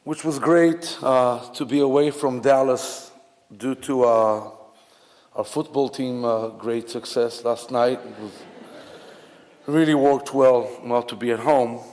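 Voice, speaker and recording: Slow Israeli man in a reverberant hall. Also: medium pitch, fairly even intonation, a little mellow. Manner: halting, reflective, many fillers and restarts. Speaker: officiant at a memorial service. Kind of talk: memorial eulogy.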